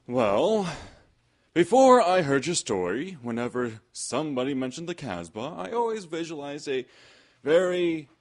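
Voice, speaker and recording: A man's voice: fairly high pitch, sing-song, unhurried. A man announcing in old-time radio style, with folksy scripted banter and sponsor salesmanship.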